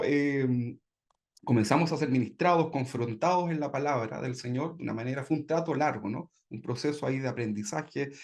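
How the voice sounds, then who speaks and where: A man tells his testimony in a relaxed, conversational manner. His voice sits a little high for a man, and he keeps checking in with his listeners as he goes. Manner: conversational, leans on tag questions. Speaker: church member giving testimony. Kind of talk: personal testimony.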